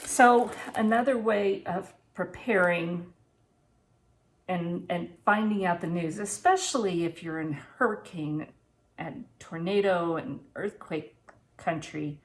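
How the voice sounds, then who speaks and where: Speaking slowly with a fairly low-pitched voice, a woman in her sixties talks casually to camera in her home kitchen. As a vlogger, she gives practical, plain-spoken tips on preparedness and reviews a product.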